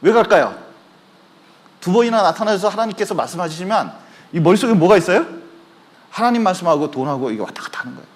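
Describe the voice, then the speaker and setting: A man preaches in a church sanctuary, his voice high-pitched and quick yet broken by long pauses. He's a pastor giving a sermon, bringing his stories to life by performing the voices of their characters.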